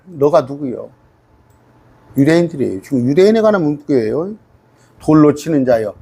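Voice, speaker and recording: A middle-aged male pastor teaching scripture in a lively, rising-and-falling voice that sits a little high for a man. He talks in a loose, conversational way, tosses rhetorical questions at his listeners, and slows right down when he reads verses aloud. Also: breathy edge. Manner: reads scripture aloud slowly, sometimes singing it. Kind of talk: bible study sermon.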